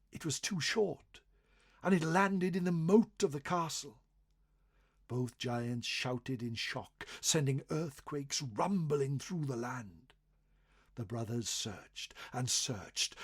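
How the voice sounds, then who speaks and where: A man narrating folklore as a storyteller, expressive and dramatic, swelling on phrases and dropping to hushed endings. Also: mid-range voice, slightly rough. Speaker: storyteller reading a folklore article.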